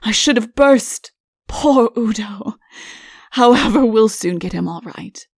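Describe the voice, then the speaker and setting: A woman's voice: on the high side, expressive, slow, no room sound, clean studio sound, full character voice. A woman voicing a sensible, deferential man who attends a vain prince in a storybook tale, speaking politely and levelly. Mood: amused.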